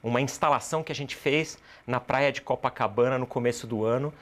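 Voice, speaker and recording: A man's voice: medium pitch, fairly quick, a bit bright. A Brazilian man speaking as an interview guest, explaining ideas in a didactic way and answering his own rhetorical questions. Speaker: interview guest, cultural producer and activist.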